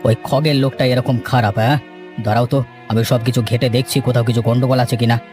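Man acting a stern village gentleman, quick-talking. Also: mid-range voice, steady tone, faint music behind, natural voice. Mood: concerned, reassuring. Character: stern, righteous village gentleman judging disputes. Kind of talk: Bengali moral cartoon dubbing.

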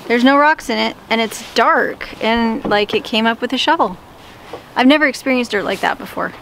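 A woman's voice: fairly high pitch, normal speed, creaky, fairly bright tone, slight background noise. Practical woman vlogging in a backyard. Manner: practical, explains as she works outdoors. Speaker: homesteading vlogger. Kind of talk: casual how-to vlog. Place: small backyard outdoors. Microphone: camera at arm's length.

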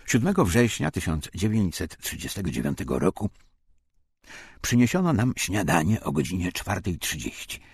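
Male audiobook narrator, deep, heavily raspy, widely varied intonation, measured formal reading, dry close sound. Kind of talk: scripted narration of wartime memoir.

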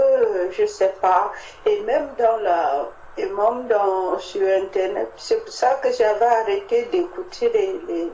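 Female church member, informal testimony, slow halting delivery, muffled echoey recording. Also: mid-range voice, mellow, a little hiss or hum. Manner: halting, repetitive, searching for words. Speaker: church member sharing at a Bible meeting.

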